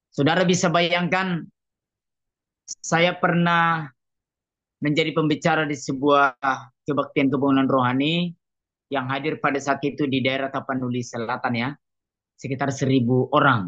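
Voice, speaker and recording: At a moderate pace, a man with a fairly high pitch and ordinary pitch variation speaks, leaving long, frequent pauses. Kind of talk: webinar lecture. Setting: video call. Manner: conversational, uses filler tags.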